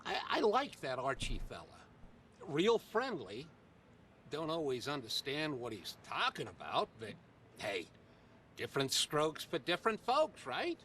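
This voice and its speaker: A distant recording with some noise carries a kindly older working-class guy from a video game. His voice sits fairly high and swings around freely. He talks in a folksy, plainspoken and sentimental way. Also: wildly swooping pitch, measured pace, a bit bright, heavily acted. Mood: warm, sentimental. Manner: folksy, ungrammatical, hesitant speech. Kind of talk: video game dialogue acting.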